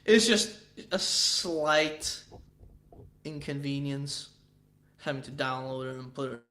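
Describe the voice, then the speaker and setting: A man's voice: medium pitch, slow pace, sharp tone. A man with a Swedish accent chatting casually with viewers on a livestream, rambling and swearing, with frequent restarts. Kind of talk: casual chat.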